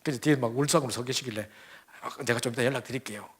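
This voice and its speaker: A young man preaching a sermon, telling a story full of quoted dialogue and quick restarts. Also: medium pitch, slightly rough. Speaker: preacher at a church training camp. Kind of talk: sermon with acted-out stories.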